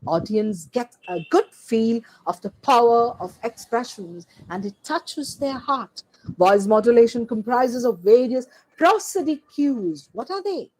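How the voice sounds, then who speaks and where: A woman giving a slide-based lecture as a teacher trainer, listing her points one by one in a deliberate way. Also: low-quality recording. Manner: slow, deliberate delivery with animated pitch; lists points one word at a time.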